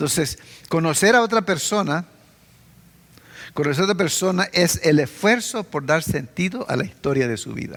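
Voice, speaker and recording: A man speaks at a high pitch and a moderate pace with lively intonation and long, frequent pauses. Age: 60s. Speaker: pastor. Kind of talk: bible study lecture. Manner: halting, many restarts.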